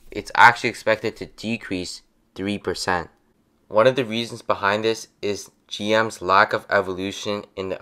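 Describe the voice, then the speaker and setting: A young adult man giving a steady, scripted voice-over that explains stock picks. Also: fairly low pitch, smooth. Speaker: finance channel narrator.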